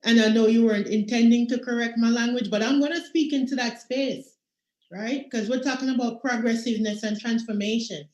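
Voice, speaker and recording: A woman's voice: on the high side, fairly even intonation, a little fast, a little mellow, reverberant, poor audio. A woman moderating a video call panel, reflective and emphatic as she responds. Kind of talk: panel discussion.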